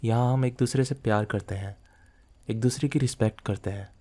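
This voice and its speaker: Man playing a dark-voiced, possessive mafia boss boyfriend. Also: mid-range voice, fairly even intonation, a little fast, close to an everyday voice. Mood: earnest, protective. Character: possessive, dominant male mafia boss boyfriend, teasing and obsessive. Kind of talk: intimate ASMR roleplay.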